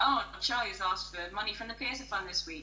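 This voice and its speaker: This is a woman speaking. She has a Hampshire accent. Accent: Hampshire accent with extra R sounds. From southern England (Hampshire). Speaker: body piercer. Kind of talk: interview.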